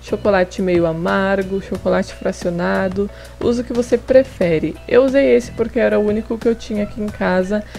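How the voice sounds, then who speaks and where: A woman's voice: mid-range voice, normal speed, creaky, hardly any pauses, darkish tone, faint music behind. A young woman hosting a home cooking video, chatting through each step and adding friendly tips in a voice-over. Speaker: cooking channel host. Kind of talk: casual recipe demonstration. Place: home kitchen table.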